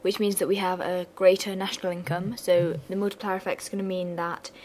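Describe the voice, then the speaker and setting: A young woman, hoarse and losing her voice, giving a chatty revision lesson with casual asides. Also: on the low side, little pitch movement, fairly quick, a little mellow, a little hiss or hum. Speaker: student revision tutor.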